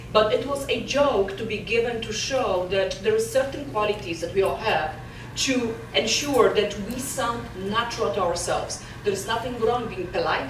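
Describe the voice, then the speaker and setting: A woman's voice: fairly high pitch, slight background noise. A woman from Poland with a Polish accent, giving an earnest motivational conference talk and often restarting words. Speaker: conference keynote speaker. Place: conference hall. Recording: echoey hall from a distance.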